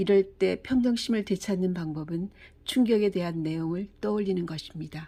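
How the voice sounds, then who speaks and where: A woman talks at a medium pitch in a dark, mellow tone, with ordinary pitch variation. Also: moderate pace. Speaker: audiobook narrator. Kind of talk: sleep audiobook reading. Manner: soft-spoken, calm.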